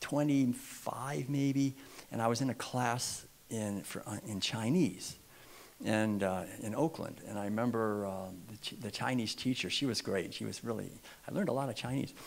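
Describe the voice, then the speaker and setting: This man has an American accent and a medium pitch, talking at a moderate pace with ordinary pitch variation. Room echo is audible. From Massachusetts (Concord), US New England. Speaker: spiritual author and lecturer. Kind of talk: sermon. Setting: church service live stream.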